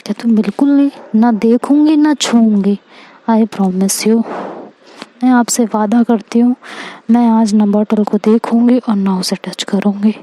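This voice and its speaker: A chatty woman tells her own story with playful drama, her voice pitched fairly high. The tone is mellow and soft rather than bright. She leans into each twist of the tale. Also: slow, low-quality recording. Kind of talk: casual first-person story narration.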